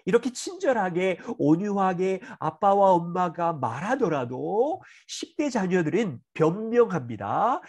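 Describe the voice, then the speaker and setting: A man's voice: high voice, a little mellow, breathy edge. A middle-aged man, a pastor, teaching a church parenting seminar in an earnest way and acting out talks between father and child.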